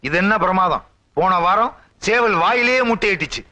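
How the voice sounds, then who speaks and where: A man's voice: high voice, expressive, fairly quick, sharp tone. A mock-solemn fake holy man. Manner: mock-solemn, teasing comic delivery. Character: comic fake male swami who blesses by cursing. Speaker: self-styled holy man. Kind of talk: 1980s film comedy acting.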